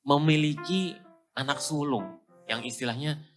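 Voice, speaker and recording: A young man hosting a podcast who talks in a relaxed, slangy way with many fillers as he asks his guest questions. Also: on the high side, measured pace, soft background music. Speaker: podcast host. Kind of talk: casual chat.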